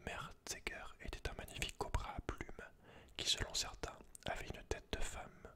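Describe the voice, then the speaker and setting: Whispering man, breathy ASMR. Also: moderate pace. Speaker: ASMR creator. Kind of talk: whispered ASMR read-aloud with casual asides.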